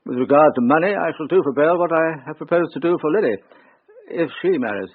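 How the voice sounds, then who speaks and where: A stiff but pleading older country gentleman, formal and restrained, with a husky, breathy voice. Heard over a tinny, phone-like radio broadcast. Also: on the high side, expressive, fast. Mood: earnest. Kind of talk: radio drama acting.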